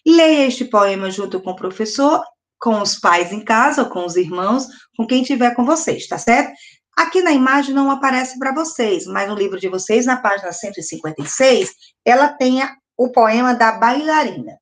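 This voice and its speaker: A woman's voice: a little high, expressive, normal speed. A middle-aged Brazilian woman teaching a recorded first-grade lesson, patiently asking questions and sounding words out syllable by syllable. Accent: Brazilian Portuguese. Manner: patient, asks children questions and answers them. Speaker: primary school teacher.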